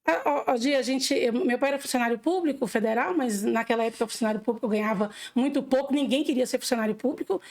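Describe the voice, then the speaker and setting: A middle-aged Brazilian woman from Bahia, raised in Minas Gerais, with a Brazilian accent. Her voice sits fairly high, and she talks in an earnest, warm way, laughing readily as an interview guest. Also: fast talker, few pauses. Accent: Brazilian Portuguese. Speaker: political candidate, interview guest. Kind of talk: casual interview talk.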